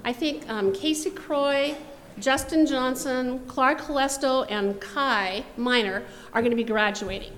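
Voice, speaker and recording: A woman makes a church announcement in the loud, clear voice of a teacher. Her voice sits a little high. It rings out with a long reverb over a faint background of noise. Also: measured pace. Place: church sanctuary.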